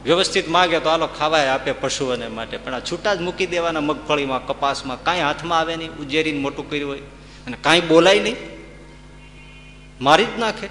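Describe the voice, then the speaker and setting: A man's voice: on the high side, brisk, a bit bright. A man narrating a folk tale with dramatic, rising and falling delivery as a storyteller. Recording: echoey hall, faint hum.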